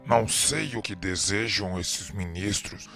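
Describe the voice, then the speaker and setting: A man acting a scornful dark spirit, sharp bright voice. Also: low voice, steady tone, measured pace, soft background music, exaggerated voice. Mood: scornful, resentful. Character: cruel, scornful male obsessing spirit, discreetly grumbling. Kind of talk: radio drama acting.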